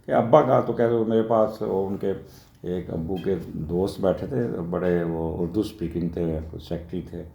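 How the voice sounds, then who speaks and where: A man's voice: sits low, normal speed, gravelly, dark tone, roomy sound. An older man from Pakistan with a Lahore Urdu accent, giving a chatty weekly horoscope talk that rambles into anecdotes and drops in English phrases. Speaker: astrologer.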